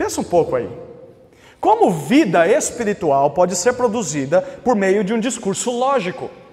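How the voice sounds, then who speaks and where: Over noticeable background noise, a man speaks at a high pitch and a moderate pace with very wide pitch swings. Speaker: preacher. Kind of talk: sermon. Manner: fervent, rhetorical, building with repeated phrases; direct, pleading appeals to the listener.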